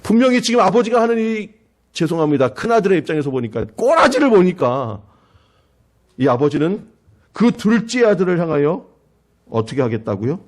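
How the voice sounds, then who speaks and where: A man's voice: high voice, very animated, moderate pace. A male pastor preaching a sermon in a church, dramatizing quotes and rhetorical questions. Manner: dramatic, acting out quoted voices with rising intensity.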